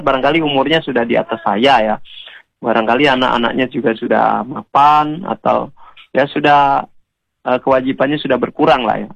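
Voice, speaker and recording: A man, an Islamic preacher on a radio show, gently exhorting listeners and addressing them directly. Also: medium pitch, creaky, no room sound, rough recording. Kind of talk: radio sermon answering callers.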